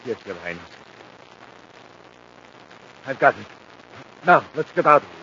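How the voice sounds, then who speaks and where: A man's voice: mid-range voice, sing-song, measured pace, pushed and bright, exaggerated voice. An actor playing a nervous, obedient villain's henchman, uneasy and deferential, in a 1950s radio adventure. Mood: anxious, obedient. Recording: muffled, noisy 1950s radio recording.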